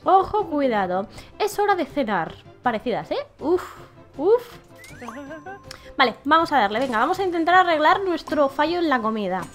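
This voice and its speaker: Young woman gamer, very high, bouncy delivery, playful put-on voices, faint music behind. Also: very animated, moderate pace, fairly bright tone. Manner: reads game dialogue aloud in playful put-on voices. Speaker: gameplay video creator. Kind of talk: playful gameplay commentary.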